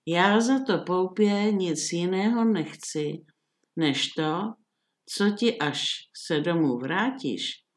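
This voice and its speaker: A woman voicing a fierce, monstrous beast from a fairy tale, speaking in a booming, threatening way. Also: lightly acted. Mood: menacing.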